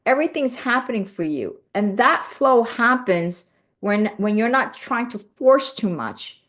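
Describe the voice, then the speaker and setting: A woman's voice: on the high side, unhurried. Earnest middle-aged woman live streaming. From born in South Korea, raised in the US. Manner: warm, earnest, with many "you know" and "right?" fillers; lively when thanking viewers. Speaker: live stream host reading viewer comments. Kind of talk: casual live-stream chat about spirituality.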